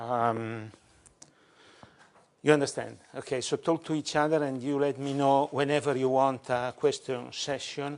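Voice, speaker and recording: This speaker has a non-native accent, and the background is quiet. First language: not English. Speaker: physics lecturer. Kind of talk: lecture. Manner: halting, many fillers.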